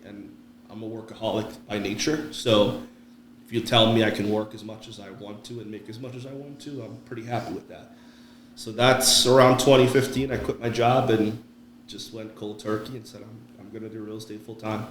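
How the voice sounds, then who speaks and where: A middle-aged man from Trinidad telling his own story conversationally as a realtor guest on a podcast. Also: fairly low pitch. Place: indoor room, podcast recording. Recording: echoey room with faint noise.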